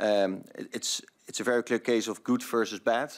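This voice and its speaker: A man with a Dutch accent speaks with fairly even intonation over a quiet background. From Netherlands. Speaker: member of parliament. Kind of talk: questioning at parliamentary hearing; committee hearing questions. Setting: parliamentary committee room. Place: meeting room. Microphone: podium.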